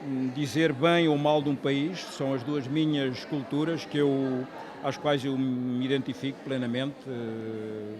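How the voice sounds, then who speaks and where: A man, an author explaining his book in an interview, measured and full of hesitations. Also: medium pitch, fairly even intonation. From Portugal. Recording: outdoor crowd chatter behind.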